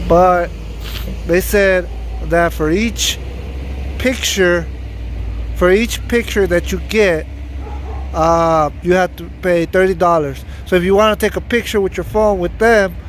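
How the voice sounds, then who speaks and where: High-voiced American man vlogging slowly. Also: slight background noise. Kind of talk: casual vlog recap.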